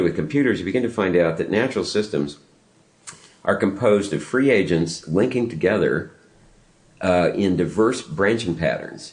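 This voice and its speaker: Speaking with an American accent, a man uses a normal speaking voice at a fairly low pitch, moving at a moderate pace with lively intonation. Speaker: consultant and facilitator. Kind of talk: casual interview conversation.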